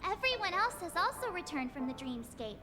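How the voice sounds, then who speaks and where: A woman voicing a perky, earnest young girl adventurer in an anime-style video game, chatty and expressive. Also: very high voice, a little fast, music in the background. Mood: eager.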